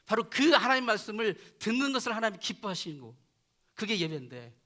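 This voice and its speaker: A male pastor delivers an earnest sermon, his voice sitting high and sounding bright and forward. He swells on key words, then lets each phrase sink quietly at its end. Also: sing-song, brisk. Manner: earnest preaching, voice dropping soft at phrase ends. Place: church chapel.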